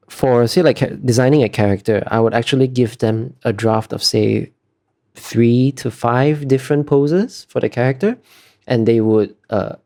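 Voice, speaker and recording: This interviewed artist has a mellow, medium-pitched male voice. He speaks casually and with thought, his explanations drifting out in trailing clauses as he finds his way.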